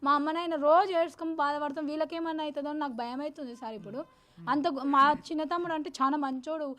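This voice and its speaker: A woman's voice: high voice, steady tone, a bit bright. A woman, giving an urgent news interview as the victim's elder sister. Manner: agitated, rapid and insistent; urgent, grieving recounting.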